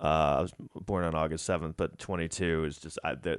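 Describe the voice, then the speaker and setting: A man speaks with a New York accent at a very deep, low pitch. His pace is moderate, and the background is quiet. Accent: Manhattan, sounds snobby. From Manhattan, New York City. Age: 40s. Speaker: stand-up comedian. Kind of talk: casual chat.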